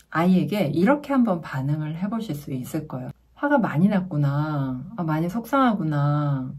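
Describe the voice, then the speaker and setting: A woman with a lowish, slightly husky voice teaches parents how to respond to their children. She keeps her voice lively and full of movement, asks rhetorical questions and answers them herself. The tone is that of a friendly doula talking straight to the camera. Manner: acts out sample lines a parent might say to a child.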